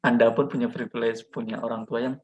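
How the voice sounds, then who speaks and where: A man, a podcast guest, talking in a relaxed, reflective, slangy casual chat. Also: medium pitch, fairly quick. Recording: dull lo-fi sound.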